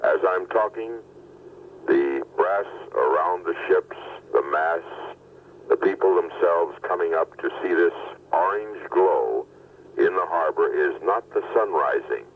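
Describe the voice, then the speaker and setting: A man playing a solemn harbor patrol captain making a slow, formal announcement, heard on an old worn answering-machine tape. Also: low-pitched, phone-quality sound, a little hiss or hum. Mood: grave.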